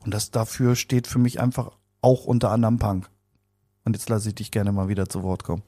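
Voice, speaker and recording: Mellow-voiced man around fifty, chatting casually. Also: lowish voice, fairly even intonation, a little fast. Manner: rambling, colloquial, repeats words. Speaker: interviewee. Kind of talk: casual conversational recollection.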